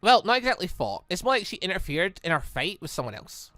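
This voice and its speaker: Guy doing a shrewd young game heroine, formal and probing, lively pitch, bright voice. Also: fast, no room sound, faint music behind, exaggerated voice. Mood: suspicious.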